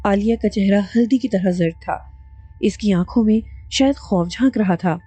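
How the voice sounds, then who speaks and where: A woman narrating a horror audiobook in a steady, dramatic storytelling manner. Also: mid-range voice, slightly rough, no echo.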